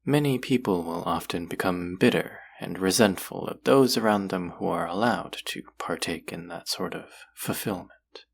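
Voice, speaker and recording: Man voicing a deep, husky, gravelly demon. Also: heavily acted. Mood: hungry, seductive. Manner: formal, slow, deliberate, coaxing. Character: possessive, courtly male demon who hungers for hearts. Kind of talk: scripted roleplay audio drama addressed to the listener.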